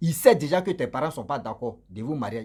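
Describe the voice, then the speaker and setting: On a very clean recording with a silent background, a man's intonation sounds lively. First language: local African language (speaking French). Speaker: YouTube storyteller and advice giver. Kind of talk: advice monologue. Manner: repetitive, informal.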